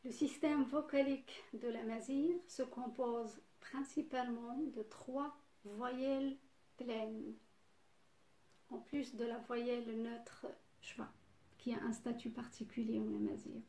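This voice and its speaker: A woman lecturing on phonetics, talking slowly and deliberately and pausing to list examples. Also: a little high, fairly even intonation, warm tone, slight background noise. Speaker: university lecturer. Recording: echoey room.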